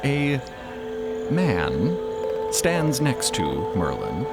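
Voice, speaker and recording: A man's voice: mid-range voice, wildly swooping pitch, very slow, gravelly, loud music behind the voice. A man narrating a scripted story theatrically, with playful, dramatic emphasis.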